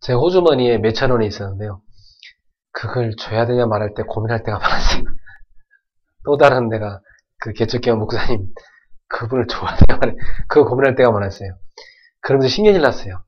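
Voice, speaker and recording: A man's voice: medium pitch, brisk, lo-fi sound. A man preaching a sermon as pastor, earnest, acting out prayers and building to fervent exhortation. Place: church sanctuary.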